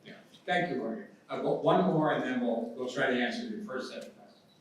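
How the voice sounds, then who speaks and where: A man's voice: medium pitch, lively intonation, brisk. A man moderating a panel, moving it along with brief, hesitant remarks. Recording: echoey hall from far off.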